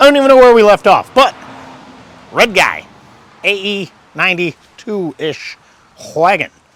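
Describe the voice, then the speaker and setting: A man talks with a high pitch at a fairly slow pace. Background noise is noticeable. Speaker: car restoration youtuber. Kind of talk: casual vlog tutorial. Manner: hesitant, many fillers.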